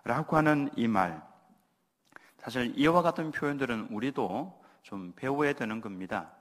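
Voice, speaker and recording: Korean pastor preaching in a reverberant church. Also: male voice, medium pitch, expressive, normal speed. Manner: leads congregation in call-and-response reading; acts out gentle parental words softly. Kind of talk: sermon. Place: church sanctuary.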